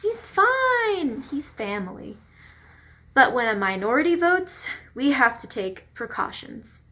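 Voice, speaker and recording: A woman's voice: high voice, big pitch swings, slow pace, pushed and bright, heavily acted. A woman delivering pointed, emphatic scripted narration for a readers theater piece.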